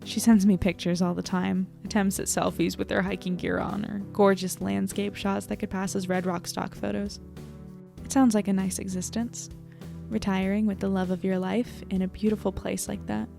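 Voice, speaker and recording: A woman's voice: medium pitch, little pitch movement, normal speed, gravelly, dark tone, faint music behind. A woman in her twenties playing an anxious, wry young reporter rambling into an audio diary in a casual, self-deprecating way. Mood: wistful. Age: 20s. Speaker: narrator and lead character. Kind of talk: audio drama diary monologue, casual and conversational.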